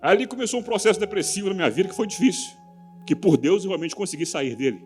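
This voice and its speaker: A man with a Brazilian Portuguese accent preaching a live church sermon, moving from loud, fervent exhortation to hushed, earnest passages. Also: high-pitched, animated, fast, soft background music. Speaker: pastor. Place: church service.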